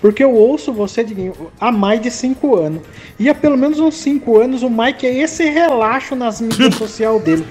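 A woman's voice: a little high, animated, normal speed, hardly any pauses, darkish tone, husky, faint music behind. A woman, a listener ranting bluntly and profanely in a voice message to a radio show.

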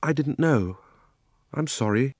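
A man's voice: on the high side, wildly swooping pitch, brisk, husky, no room sound, studio quality, pitched above the performer's own voice, heavily acted. A man voicing a curious, prim young girl in an audiobook story. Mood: humble. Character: curious, prim young London girl, indignant yet kind. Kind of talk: audiobook character voice.

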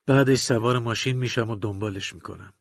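In a mid-range voice, a man narrates a first-person audiobook close to a studio mic. His manner is measured, confessional and colloquial.

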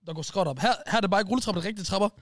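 A podcast host with a high-pitched voice tells a story on his casual show, recorded dry and at studio quality. He is an animated storyteller who speaks in phrases, restarts often, and uses slang like "bro" and "wallah."

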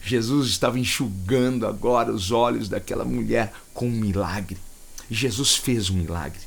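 A man's voice: on the low side, normal speed, vocal fry, husky. Man, Brazilian accent, preacher, livestreamed sermon, fervent, repeats phrases, voice swells with emotion. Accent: Brazilian Portuguese.

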